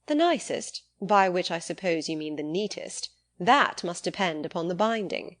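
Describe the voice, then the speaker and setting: A woman voicing a witty young gentleman in an audiobook, playfully mock-serious and pedantic with formal phrasing. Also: on the low side, lively intonation, normal speed. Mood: teasing.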